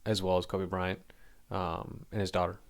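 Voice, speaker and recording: A man's voice: low voice, little pitch movement, moderate pace, gravelly. A young man co-hosting a podcast, bringing up topics in a hesitant way, with frequent ums. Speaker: podcast co-host. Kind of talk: casual chat.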